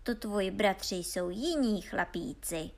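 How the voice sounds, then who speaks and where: A woman's voice: mid-range voice, vocal fry, natural voice. A woman reading aloud and voicing a stern old father who scolds his youngest son. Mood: scolding.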